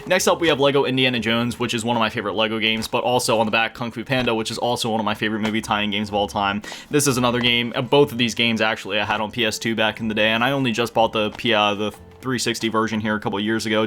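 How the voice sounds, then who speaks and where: A young man chatting casually about his video game collection, rambling with quick self-deprecating asides. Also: fairly low pitch, bright, forceful tone. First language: English. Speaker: gaming YouTuber.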